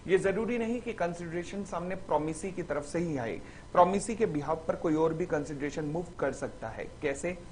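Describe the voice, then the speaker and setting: Lively male law teacher. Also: a little high, a little hiss or hum. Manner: lively, acts out little stories in the examples; reads definitions slowly, word by word. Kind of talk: recorded lecture for exam revision.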